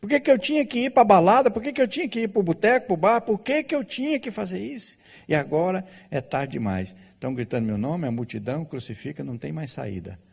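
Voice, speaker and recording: A man voicing a desperate male prisoner awaiting execution, asking himself anguished questions in a husky voice. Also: sits high, big pitch swings, fast talker, few pauses, a little mellow, pitched above the performer's own voice, full character voice. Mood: frantic.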